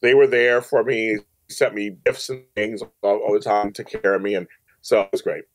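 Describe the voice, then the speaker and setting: This podcast guest, a producer of audio dramas, speaks in a lowish voice with fairly even intonation and a moderate pace. He shares personal stories casually but emphatically, often repeating phrases for stress.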